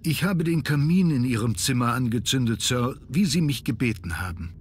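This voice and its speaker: A formal, servile butler from a horror adventure game, played by a man. His mid-pitched voice moves through a wide range, staying deferential, with some background noise. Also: animated, moderate pace, lightly acted. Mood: dutiful. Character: dutiful, deferential male butler of a manor. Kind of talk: scripted video game acting.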